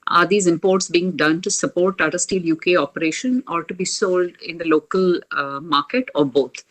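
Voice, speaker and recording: A woman moderating a corporate earnings call, measured and businesslike, pausing often as she reads out questions. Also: lowish voice, rough recording.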